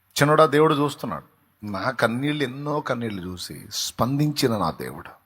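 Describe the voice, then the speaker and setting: Man, pastor, fervent sermon, quiet then loud, mid-pitched voice. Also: expressive, a little fast, breathy edge.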